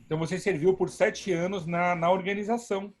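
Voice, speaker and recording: A man's voice: sits high, steady tone, fairly quick. A man, a pastor hosting an online service from home, speaking emphatically and praising God. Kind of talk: warm preaching talk.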